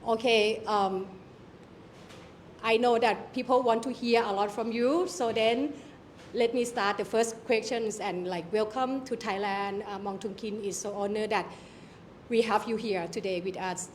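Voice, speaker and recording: A woman's voice: medium pitch, steady tone, measured pace, slight background noise. A woman moderating a live Q&A at an event, friendly and a little nervous, with lots of fillers. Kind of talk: hosting a public Q&A. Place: event venue.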